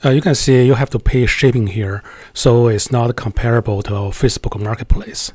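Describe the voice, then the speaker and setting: A man's voice: mid-range voice, moderate pace, darkish tone, dry recording. Chatty man. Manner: chatty and hesitant, many filler "uh"s. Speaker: tech channel host. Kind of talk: casual voice-over tutorial.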